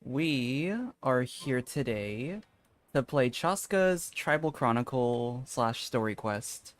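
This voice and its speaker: A man's voice: mid-range voice, expressive, takes it slowly. A man live streaming a video game, chatting casually and rambling as he thinks aloud. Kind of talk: casual gaming stream chat.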